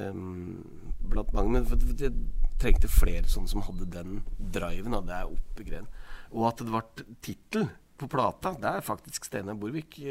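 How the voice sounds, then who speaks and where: At a fairly slow pace, a man speaks in a normal speaking voice with a fairly low pitch. His intonation is lively, and his loudness swings widely. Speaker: singer and actor. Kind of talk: casual interview. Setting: on a stage in an open-air museum.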